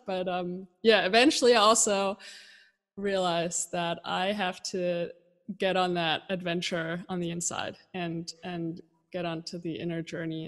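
A woman's voice: lowish voice, fairly bright tone, long reverb tail. A woman from southern Germany in her thirties, a guest in a casual interview, speaking English with an easygoing, reflective manner and frequent laughter. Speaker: podcast guest. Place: home room, indoors. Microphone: video call with desk microphone.

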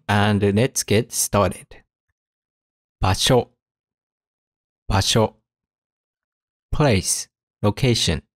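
Slow, low-voiced male language teacher. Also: dry recording, studio quality. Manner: slow, careful enunciation with repetition. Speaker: Japanese teacher. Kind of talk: vocabulary lesson with repeated example sentences.

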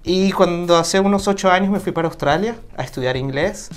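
A man, a guest telling his own story in a relaxed, reflective way in a small office. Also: high voice, a little fast, faint music behind. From Venezuela. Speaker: interview guest. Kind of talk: casual personal account.

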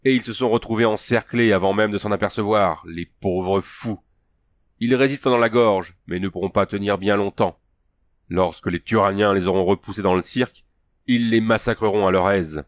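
Male reader doing a low, blunt barbarian chief; gruff, restless, defiant. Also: moderate pace, no echo, clean studio sound, lightly acted. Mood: grim. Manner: blunt, growling oaths.

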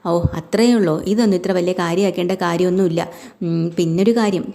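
A woman voicing a brisk middle-aged mother who scolds her daughter but reassures her. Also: lowish voice, fairly even intonation, vocal fry, mellow.

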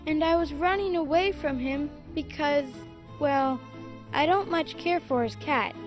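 High-voiced, stuffy little boy. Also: unhurried, soft background music. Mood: confessing. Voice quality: congested, stuffy. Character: stuffy-nosed little runaway boy who fibs. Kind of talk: audio drama sketch.

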